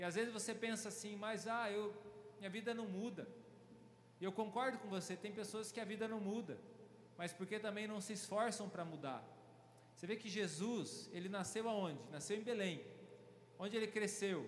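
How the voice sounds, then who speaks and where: With long, frequent pauses, a man talks at a moderate pace in a high, fairly even voice, with audible room echo and noticeable background noise. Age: 30s. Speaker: pastor. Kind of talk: sermon.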